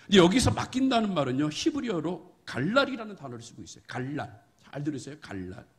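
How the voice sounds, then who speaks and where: A middle-aged male pastor preaching a sermon, telling folksy stories, acting out bits of dialogue and building to emphatic, forceful points. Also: high-pitched, big pitch swings, fast talker.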